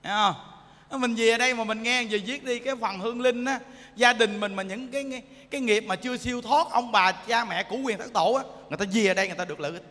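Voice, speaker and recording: A man giving an animated sermon as a Buddhist monk, teasing the audience and often asking them if they understand. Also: very high-pitched, quick pace. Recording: echoey hall.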